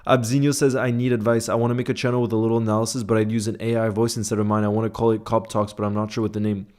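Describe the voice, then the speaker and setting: A man with a fairly low voice hosts a football fan livestream. He talks casually and informally, reads comments from viewers and replies to them directly. He often repeats a phrase to drive it home. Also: level tone, very fast, a little mellow.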